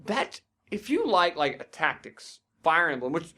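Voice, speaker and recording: Casting: male gaming podcast co-host with a fairly high voice, rambly, keen and freely sweary. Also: big pitch swings, a little slow, bright, forceful tone. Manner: rambling, enthusiastic, casually profane. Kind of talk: casual gaming chat.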